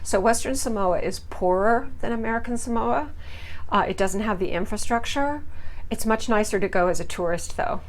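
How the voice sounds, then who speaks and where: A woman's voice: on the high side, moderate pace. A woman hosting a recap show, giving casual, opinionated commentary in a blunt, mocking way with dramatic emphasis on key words.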